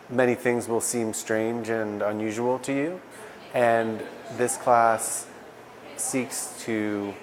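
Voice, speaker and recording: A man who teaches a cooking class, explaining its aims in a measured way. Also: medium pitch, noisy background. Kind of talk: interview.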